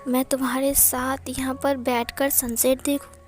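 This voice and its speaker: A woman's voice: high voice, level tone, measured pace, faint music behind. A woman voicing a shy, flustered young male college student in an amateur fan-fiction reading, stammering as she goes.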